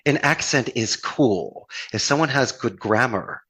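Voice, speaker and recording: A man with a Philadelphia accent speaks conversationally, as a guest in a podcast interview. His pitch sits in an ordinary male range. He talks earnestly and ornately, building motivational points and often putting rhetorical questions to the listener. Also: lively intonation, measured pace, a bit bright, slightly rough. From Philadelphia, United States. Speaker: podcast guest, call center owner.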